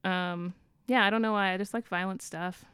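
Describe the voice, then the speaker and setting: A woman's voice: medium pitch, fairly even intonation, moderate pace, fairly bright tone, clear, resonant tone, no echo, studio quality. A woman from the American South with a Southern accent, co-hosting a casual book podcast, chatty with frequent laughs. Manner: chatty, laughs often, many fillers.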